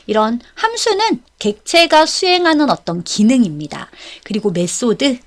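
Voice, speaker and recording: A woman's voice: fairly high pitch, a bit bright. A woman giving an explanatory lecture as an instructor, step by step and in a polite register. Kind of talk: explanatory exam-prep lecture.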